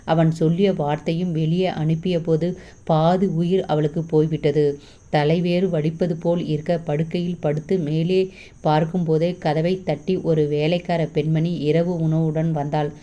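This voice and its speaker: A woman reading a romance novel aloud as storyteller, steady and measured. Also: low-pitched. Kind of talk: scripted novel narration. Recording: slightly dull lo-fi recording.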